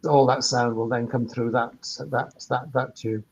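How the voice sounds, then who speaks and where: A man's voice: mid-range voice, little pitch movement, normal speed, breathy edge. Dull-sounding man rambling technical advice. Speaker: sound engineer and workspace operator, panellist. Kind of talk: informal technical explanation. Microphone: microphone a few feet away. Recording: dull, band-limited webinar audio.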